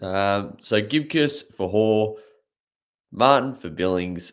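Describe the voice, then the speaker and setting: Lively intonation marks a man's speech in an Australian accent. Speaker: fantasy football youtuber. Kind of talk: casual video commentary. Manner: hesitant, filler words.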